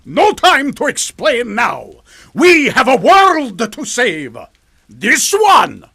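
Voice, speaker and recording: A man playing a dry, unflappable older mad scientist in a comic radio drama, deadpan and theatrical. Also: very high voice, slow, creaky, breathy edge, no room sound, heavily acted. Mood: urgent. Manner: deadpan, theatrical, swinging into urgency.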